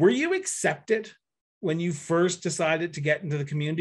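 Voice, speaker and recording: This man's voice sits high in pitch. The background is quiet. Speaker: podcast host. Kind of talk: interview question. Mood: apologetic, friendly, animated. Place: home room.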